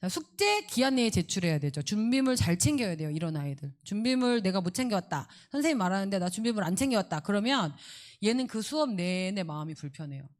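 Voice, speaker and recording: A middle-aged woman giving a parent education lecture, animated and acting out children's voices as she explains. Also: medium pitch.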